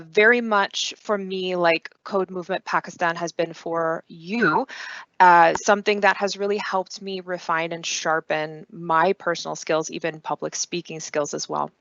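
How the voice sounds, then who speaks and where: A woman in her thirties giving a conference talk online, with steady, clearly paced delivery. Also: on the low side, no echo. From United States. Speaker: conference speaker. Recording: dull lo-fi dry sound.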